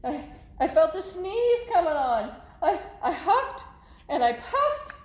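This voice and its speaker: A woman's voice: extremely high pitch, very animated, takes it slowly, reverberant, voice pushed up, full character voice. A woman voicing a storybook wolf who chattily protests his innocence as he tells his side. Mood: dramatic, innocent. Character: self-justifying folksy wolf telling his side.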